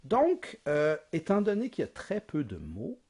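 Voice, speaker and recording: A man's voice: fairly high pitch, wildly swooping pitch, a little slow, mellow, slightly rough. A man giving a recorded music history lecture, explaining patiently, asking rhetorical questions and singing short examples.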